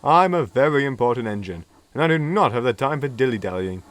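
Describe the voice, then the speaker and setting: A man doing a pompous, booming express engine. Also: animated, a little fast, close to an everyday voice. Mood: impatient. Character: proud, pompous big male express engine. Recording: music playing behind.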